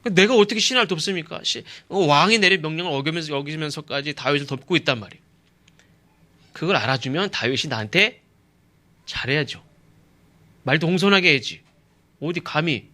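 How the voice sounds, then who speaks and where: A man's voice: fairly high pitch, animated, fairly quick, long pauses, pushed and bright. A man voicing an indignant young prince, a loyal friend who feels wronged and complains with rhetorical questions. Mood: indignant, aggrieved.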